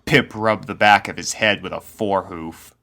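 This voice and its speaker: A man reading a scripted spooky story aloud as narrator, with a measured, suspenseful storytelling delivery. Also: low voice, fairly even intonation, vocal fry, sharp tone. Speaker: fan fiction narrator.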